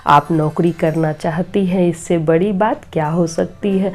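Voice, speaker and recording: A middle-aged woman, slightly hoarse, earnestly telling a devotional story and giving moral advice as host of her channel. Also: on the low side, fairly even intonation, measured pace. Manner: earnest, preachy, gently advising.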